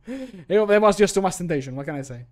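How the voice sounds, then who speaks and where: Higher-voiced man chatting jokily on stream. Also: fairly quick. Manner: jokey, chatty, animated, self-amused. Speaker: streamer and hobby game modder recording voice lines. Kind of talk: casual livestream chat. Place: small home room, indoors.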